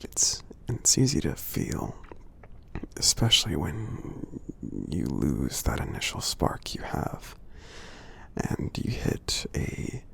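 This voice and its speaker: Guy doing a friendly giant for asmr, super gravelly and deep, gentle and supportive, soft whispery. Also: sing-song, heavily acted. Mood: soothing, supportive. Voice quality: husky, breathy, gravelly low voice. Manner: slow, gentle, reassuring, pausing often. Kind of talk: ASMR roleplay, soft half-whispered affirmations.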